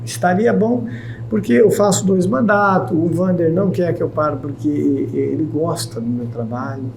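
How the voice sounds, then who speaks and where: Over noticeable background noise and audible room echo, a man with a fairly high voice talks at a moderate pace with very wide pitch swings. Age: 60s. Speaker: city councillor and social worker. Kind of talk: interview.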